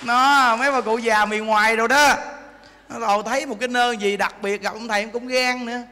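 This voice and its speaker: Male monk, lively folksy sermon, high and bright voice, long reverb of a temple hall. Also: fairly quick. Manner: animated, joking, acts out voices, asks the audience. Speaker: Buddhist monk teacher. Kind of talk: folksy dharma talk.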